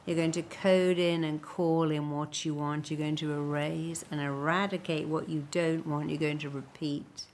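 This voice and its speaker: A woman with an English accent leading a guided meditation, speaking slowly and soothingly, sometimes dropping into a breathy near-whisper. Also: low-pitched, flat delivery, a little mellow, a little hiss or hum. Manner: slow, soothing, breathy at times. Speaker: hypnotherapist guiding a meditation.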